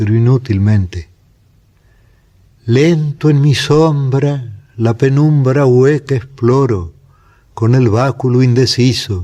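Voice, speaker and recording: Very slowly, a man speaks in a dark, mellow, somewhat breathy tone at a medium pitch. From Argentina. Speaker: writer and poet. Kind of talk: poetry reading. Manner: slow, measured.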